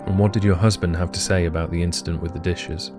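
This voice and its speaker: A woman playing a very deep-voiced interviewer. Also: fairly even intonation, fast. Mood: probing. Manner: level, probing questions. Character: calm questioning interviewer. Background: faint music.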